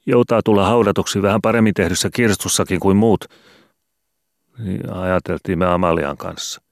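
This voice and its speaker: A deep-voiced man doing a stammering, wheedling son. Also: fairly even intonation, creaky, no echo, studio quality. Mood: hesitant. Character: hesitant scheming adult son, grown man. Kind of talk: audiobook character voice.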